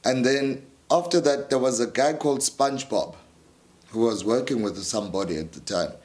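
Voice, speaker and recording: A man with a South African accent, a radio host and producer, telling stories in a casual interview at his house, laid-back and animated. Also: mid-range voice, moderate pace. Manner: animated storyteller, acts out quotes, laid-back.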